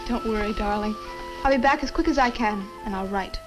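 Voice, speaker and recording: An actress playing an earnest, polite and determined young student in a 1960 horror film. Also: female voice, on the high side, a little fast, over music, lightly acted, low-quality recording. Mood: affectionate. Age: young adult.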